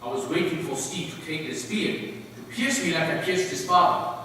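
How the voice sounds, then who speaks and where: A man's voice: on the high side, lively intonation, sharp tone. A man on stage playing a fierce tribal warrior haunted by killing, declaiming solemnly in a dramatic recital. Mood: grave, remorseful. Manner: slow, solemn, declamatory delivery. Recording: very echoey hall from far off, faint noise.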